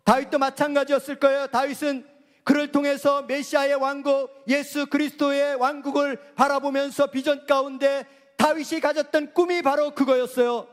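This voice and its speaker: Male preacher, very high voice, fervent sermon with big swings between loud and hushed, long hall reverb. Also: level tone, normal speed. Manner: impassioned preaching, swinging from loud cries to hushed, soft lines. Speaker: pastor.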